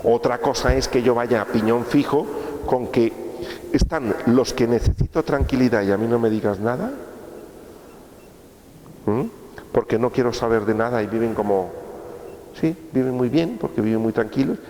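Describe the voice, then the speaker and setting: A man's voice: mid-range voice, normal speed, long pauses, mellow. A man giving a course lecture in a conversational way, asking rhetorical questions and checking in with his listeners. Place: lecture room. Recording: echoey hall, faint room noise.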